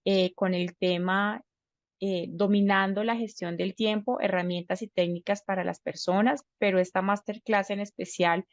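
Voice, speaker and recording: A woman coordinator warmly welcoming an audience and introducing a speaker on a video call, upbeat with some fillers. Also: mid-range voice, no room sound, dull audio. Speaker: event coordinator and host.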